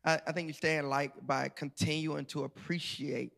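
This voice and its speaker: Bright-voiced man telling stories. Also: on the high side, level tone, normal speed, creaky. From Georgia, USA. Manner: playful, laughing storyteller. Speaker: author and guest. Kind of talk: storytelling chat before a live audience.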